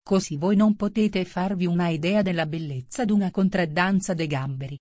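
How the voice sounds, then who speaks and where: A sobbing, sorrowful mock turtle speaks in a hushed, mournful storybook voice, as a woman reads him. The voice sits fairly low and the sound is close and dry. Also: normal speed, no echo, natural voice.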